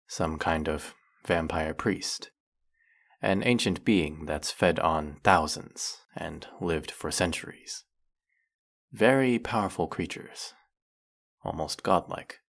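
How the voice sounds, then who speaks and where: Man voicing a deep, gravelly, brooding ancient vampire hunter. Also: full character voice. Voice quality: gravelly, low. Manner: slow, measured, dramatic pauses. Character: centuries-old male vampire hunting his own kind, brooding. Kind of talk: scripted roleplay audio drama monologue.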